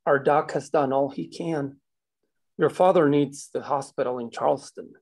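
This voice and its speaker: A man reading the part of a coal company man who threatens a woman in a smooth, condescending way at a script table read. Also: on the high side, steady tone, moderate pace, a little mellow. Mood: cold.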